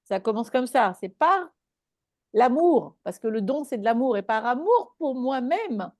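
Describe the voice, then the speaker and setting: A woman's voice: on the high side, very animated, a little slow, a little mellow, dry recording, studio quality. A woman giving a live spiritual talk to a small online group, speaking conversationally and checking in with her listeners.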